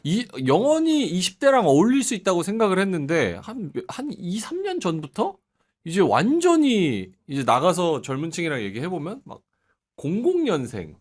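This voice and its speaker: Male co-host, late 30s, animated, self-deprecating rambler. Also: high-pitched, normal speed. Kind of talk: casual political talk.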